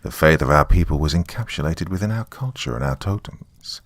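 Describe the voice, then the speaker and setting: A man's voice: a bass voice, animated, a little fast, no room sound. A man voicing a solemn Native American elder who gives a grave, portentous warning in a horror story. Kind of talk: dramatic reading in a horror story.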